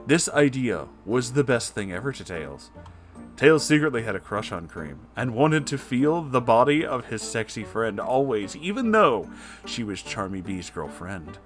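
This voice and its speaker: Animated, amused male story reader. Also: medium pitch, moderate pace, faint music behind. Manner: amused, mock-serious, with dry asides. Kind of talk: comedic dramatic reading of fan fiction.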